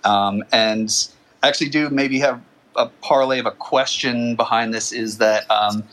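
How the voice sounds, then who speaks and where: Bright man full of fillers. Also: mid-range voice, steady tone, moderate pace, rough recording. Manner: filler-heavy, um and you know. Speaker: guest founder. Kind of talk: casual conversation.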